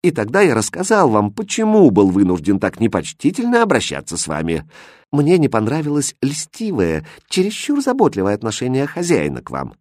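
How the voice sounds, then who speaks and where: A man reading a fairy tale aloud with expressive, animated storytelling. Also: medium pitch, fairly quick, dry recording, clean studio sound. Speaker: audiobook reader. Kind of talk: storybook narration.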